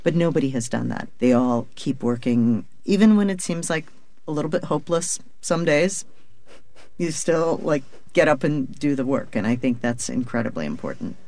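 A woman's voice: a bass voice, normal speed, dark tone. A woman born in Russia, a film director speaking in a radio interview with many casual fillers.

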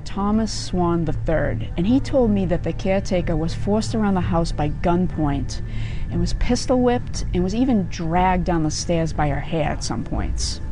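A woman reporter with a Boston accent and a fairly low voice, reading out a local crime story in a matter-of-fact way. Music plays clearly underneath her words. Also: rough recording. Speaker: newspaper reporter. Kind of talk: news report clip. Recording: clip played on air with music.

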